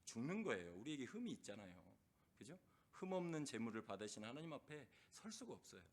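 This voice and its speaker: A middle-aged man preaching a sermon as pastor, impassioned, often putting questions to the congregation and swinging from loud crying out to hushed. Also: mid-range voice, big pitch swings, quick pace.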